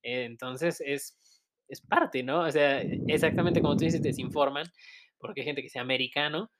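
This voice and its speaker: A Mexican man chatting casually with a friend. His voice sits slightly high, and he talks in a loose, slangy way, often pausing on fillers as he gathers his thoughts. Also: very noisy. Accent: Mexican Spanish. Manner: relaxed, colloquial, trails off with fillers. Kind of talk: casual chat.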